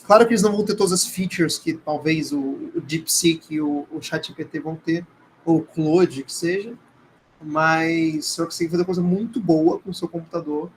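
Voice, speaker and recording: A Brazilian man with a fairly high voice teaches an informal live class. He speaks conversationally and hesitantly, often checking in with short tag questions. Noticeable noise sits behind his voice. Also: steady tone, normal speed, rough recording. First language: Portuguese. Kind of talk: informal live lecture with screen demonstration.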